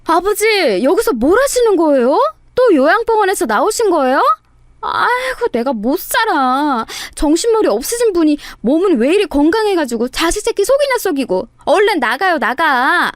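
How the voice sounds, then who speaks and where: A woman voicing a bold, scheming sister-in-law who scolds in a loud, theatrical way. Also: sits high, big pitch swings, fairly quick, dry recording, clean studio sound. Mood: scolding.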